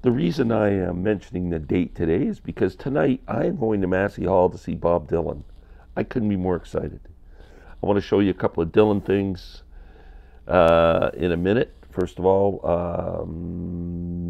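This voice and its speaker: Low, mellow-toned man in his fifties, congested with a cold, candid basement vlogger on an earbud mic. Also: creaky, dull audio. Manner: chatty, candid, gestures a lot with hands. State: stuffy from a cold. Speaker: vinyl collector vlogger. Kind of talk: casual rambling vlog. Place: basement room, indoors, small.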